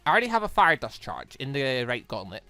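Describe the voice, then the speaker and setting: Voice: medium pitch, big pitch swings, fast talker, sharp tone, no room sound, faint music behind. A person doing a casual let's-play, reading a visual novel aloud and often stumbling and rereading phrases. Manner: stumbles over read lines and repeats them.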